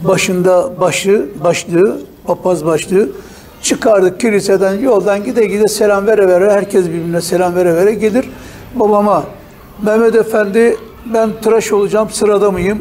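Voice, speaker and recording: Speech moves at a moderate pace with fairly even intonation. Its loudness stays very even. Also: man, high pitch for a man. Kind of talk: interview answer. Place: cafe.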